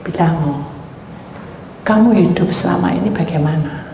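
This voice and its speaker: A woman pastor preaches in a fairly low voice, acting out her stories as she goes. She swings from loud, high exclamations to quiet asides. The sound comes from an echoing hall with a long reverb tail. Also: normal speed, gravelly, muffled recording, slight background noise. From Indonesia. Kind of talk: sermon with acted-out anecdotes.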